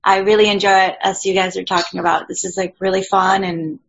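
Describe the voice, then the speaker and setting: A woman's voice: mid-range voice, little pitch movement, fairly quick, creaky. A woman from Cuba with a Cuban Spanish accent, a Spanish-speaking voiceover student introducing herself in an online class, earnest and a little hesitant. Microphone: video call. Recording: dull, lo-fi video call audio.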